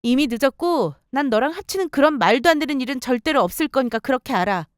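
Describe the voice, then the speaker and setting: A woman narrating a dramatized personal story for story radio and voicing her own sharp-tongued replies. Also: high-pitched, animated, fast talker, no echo, clean studio sound.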